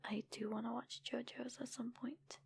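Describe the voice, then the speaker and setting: A woman chatting casually in a soft, breathy ASMR whisper, informal and rambling, close to the microphone. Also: on the high side, level tone, moderate pace. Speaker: ASMR creator and streamer answering viewer comments.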